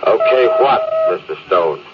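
An American actor playing a stubborn, imperious spaceship captain in a 1950s radio drama, curt and authoritative. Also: male voice, lowish voice, lively intonation, a little slow. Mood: angry, haughty. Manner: curt, authoritative, barking orders. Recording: noisy, muffled old radio transcription.

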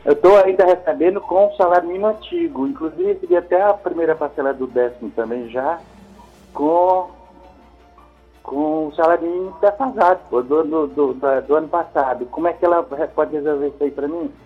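Older man, heard over the phone, caller, hesitant, repeats words, slightly high voice, muffled line. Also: brisk, husky, soft background music. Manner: hesitant, repeats words while searching for them. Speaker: radio call-in caller.

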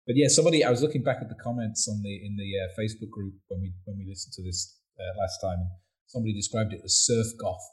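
A man's voice: lowish voice, fast talker, a little mellow. A man co-hosting a music podcast, chatting in a wry, laughing way. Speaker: podcast host. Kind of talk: casual chat.

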